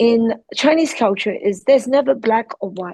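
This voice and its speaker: In a Cantonese accent, a woman speaks at a fairly high pitch with ordinary pitch variation and a dark, mellow tone, the sound dry and close with no echo. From Hong Kong. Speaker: art gallerist. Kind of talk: interview conversation.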